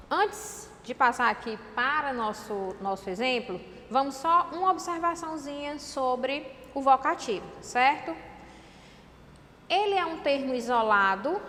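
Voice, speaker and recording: High-voiced Brazilian teacher in a reverberant room. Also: female voice, moderate pace, sharp tone, a little hiss or hum. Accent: Brazilian Portuguese. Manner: explains step by step, often checks in with "tá certo?". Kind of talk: online class lecture.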